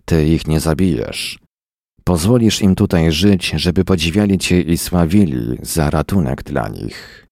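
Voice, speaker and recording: A man's voice: extremely low pitch, expressive, measured pace, creaky, darkish tone, no echo, studio quality, full character voice. A man reading the lines of a desperate, trapped space traveller, urgent and pleading.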